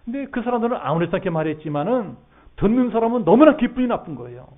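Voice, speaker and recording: A middle-aged pastor with a high, light voice gives a sermon in a church, talking to his congregation and often asking them questions. The sound is thin and narrow, like a phone line. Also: very animated, quick pace. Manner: conversational preaching with questions to the congregation. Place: church sanctuary.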